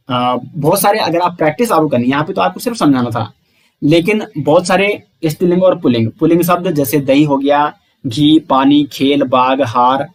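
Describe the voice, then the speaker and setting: A man teaching an exam-prep Hindi grammar lesson, asking questions and answering them himself, speaking to his viewers as friends. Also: on the high side.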